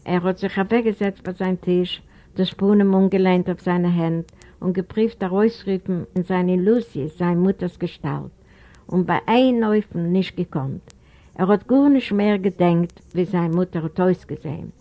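A woman reading a novel aloud as an audiobook, in a measured storytelling manner. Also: on the low side, highs cut off. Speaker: audiobook reader. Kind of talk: literary narration. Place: library recording room.

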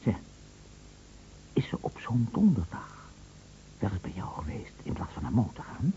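Jealous husband, taunting and insinuating, mellow tone with animated pitch, old radio play. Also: male voice, normal speed, whispered. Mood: bitter, scornful. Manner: sarcastic, insinuating, with emphatic repetitions. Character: bitter jealous husband, scornful and taunting, set on exposing lies. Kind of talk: radio drama acting. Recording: dull, noisy old radio play recording.

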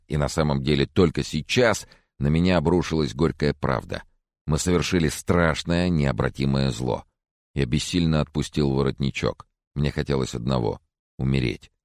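Deep bass guy reading an audiobook, calm and measured, dry close mic. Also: dry recording. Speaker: narrator. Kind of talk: audiobook narration.

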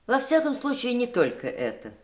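An actress playing a worldly, twice-widowed middle-aged woman in a theatrical Russian audio drama, speaking with emphatic, deliberate eloquence. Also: a little high, wildly swooping pitch. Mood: wounded, sorrowful.

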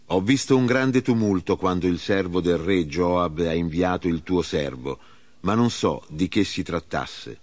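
A man voicing an eager young male runner bringing news, in an earnest, measured reading. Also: sits low.

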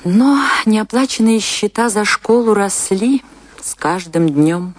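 A woman's voice: mid-range voice, slow pace. An actress playing a passionate woman dancer recounting a stormy love affair in a confessional, theatrical radio play manner. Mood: reflective. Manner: theatrical, confessional, emotionally expressive. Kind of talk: dramatic radio play monologue and dialogue.

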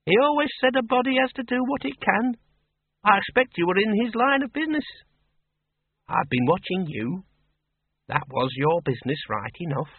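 Guy putting on a blunt old farm lady, high and swoopy, husky, tinny phone-like sound. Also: very animated, no echo, exaggerated voice. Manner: brisk, quick to jab with questions. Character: sharp, blunt older farm woman. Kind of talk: audiobook character voice.

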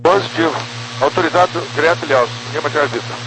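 A man's voice: fairly high pitch, fast. A man speaking as a pilot, giving clipped readbacks over aviation radio. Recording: noisy humming cockpit radio.

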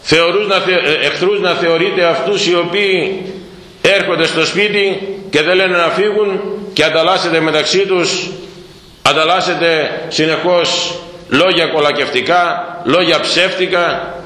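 A man's voice: a little high, echoey room, in a large hall, rough recording. A man preaching a sermon, asking his listeners rhetorical questions and acting out everyday dialogue. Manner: animated, rhetorical questions, acts out imagined dialogue.

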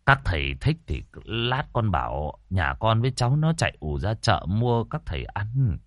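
A man voicing an anxious, humble older village man who speaks softly and hesitantly. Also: on the low side, very animated, moderate pace, no room sound, highs cut off. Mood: timid. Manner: soft, deferential, hesitant.

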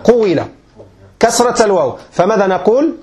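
A man's voice: high voice, animated, moderate pace, a little mellow. A man with a Moroccan Arabic accent teaching a classroom grammar lesson as a sheikh, patiently repeating points and often quizzing his listeners with check questions.

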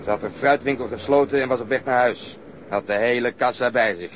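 A man's voice: medium pitch, brisk, a little hiss or hum, lightly acted. A man playing a talkative, cynical policeman who grumbles drily in a naturalistic radio drama. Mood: matter-of-fact, grumbling.

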